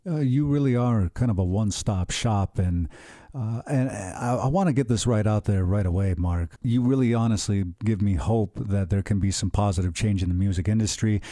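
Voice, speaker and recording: A man's voice: on the low side, moderate pace, mellow, dry recording, studio quality. A middle-aged man hosting a radio show, earnest and enthusiastic, talking in long rambling turns. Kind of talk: conversational radio interview.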